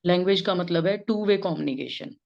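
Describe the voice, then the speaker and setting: A woman's voice: fairly low pitch, fairly quick, creaky, a little mellow. A woman from India with a Hindi accent, an English lecturer giving an informal spoken lesson and mixing English phrases into her explanations. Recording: dull lo-fi recording.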